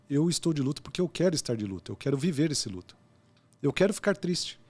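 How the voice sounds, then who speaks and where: Calm explanatory Brazilian man guest. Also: medium pitch. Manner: calm, explanatory, uses analogies. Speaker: guest, consultant. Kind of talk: explanatory interview talk.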